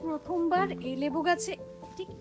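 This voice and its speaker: Casual vlog host, female, high-pitched, informal and chatty, light music underneath. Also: moderate pace. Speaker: vlogger and host. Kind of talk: casual village vlog chat to viewers and companion. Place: outdoors in a village.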